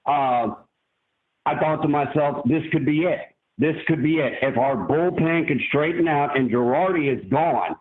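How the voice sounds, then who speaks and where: A man's voice: on the high side, a little slow. A man calling in to a live show, heard over a phone line, talking in a rambling, candid way with fillers. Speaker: caller to a live fan show. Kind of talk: casual call-in chat.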